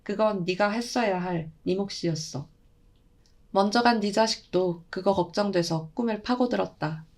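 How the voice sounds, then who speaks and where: A woman's voice: medium pitch, moderate pace, a little mellow, natural voice. Woman doing a blunt old shaman granny lecturing in old-timey talk. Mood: stern. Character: elderly shaman grandmother, stern and wise.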